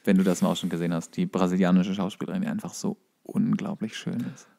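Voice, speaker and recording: A man's voice: deep voice, little pitch movement, fast talker, creaky, dark tone. A man, a podcast co-host, chatting casually about films and series. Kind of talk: casual film and series chat.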